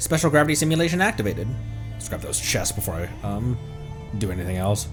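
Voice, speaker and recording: A man's voice: lowish voice, very animated, fast talker, music in the background. A man streaming a video game, reading its text aloud with asides and stumbling over long words.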